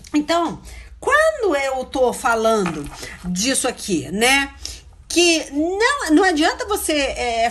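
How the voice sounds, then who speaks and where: Animated woman preaching. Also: high voice. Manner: chatty, hunts for verses aloud, frequent "né?" tags. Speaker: missionary preacher. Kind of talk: informal sermon.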